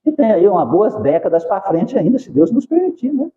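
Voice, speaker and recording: A man's voice: high-pitched, sing-song, fairly quick, warm tone, muffled recording. A man in his sixties giving an earnest devotional lecture in a center's hall, often checking in with his listeners. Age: 60s. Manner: earnest, often adds tag questions.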